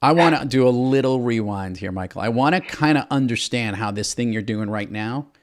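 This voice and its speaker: A man's voice: medium pitch, brisk. Upbeat, emphatic male podcast host. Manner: upbeat, emphatic, playful asides. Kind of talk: energetic podcast interview.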